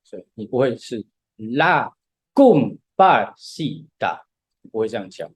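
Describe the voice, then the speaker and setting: A man's voice: lowish voice, fast talker, dark tone, husky, no echo. A man, patiently explaining music step by step in a casual podcast chat.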